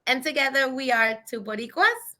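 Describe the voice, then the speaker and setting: Excitable woman co-host, giggly, fairly high voice with a bright edge, casual chat. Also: normal speed. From Puerto Rico, raised in the Bronx. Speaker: co-host, travel agent.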